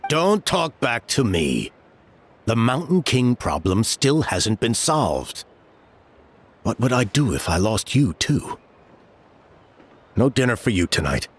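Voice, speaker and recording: An actor playing a stern, protective middle-aged tribal elder and father in a game, with a measured, formal way of speaking. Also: medium pitch, big pitch swings, breathy edge, heavily acted.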